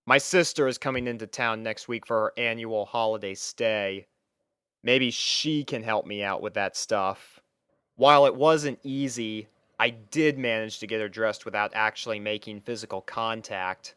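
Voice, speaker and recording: A man's voice: on the low side, moderate pace, pushed and bright, clear, resonant tone, dry recording, studio quality. A young man reading a scripted first-person story as its narrator.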